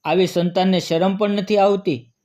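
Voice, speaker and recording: Indignant village folk scolding two neglectful sons, as a male storyteller reads them. The lines are reproachful, in a slightly high man's voice. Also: steady tone, moderate pace, darkish tone, lightly acted. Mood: angry reproach.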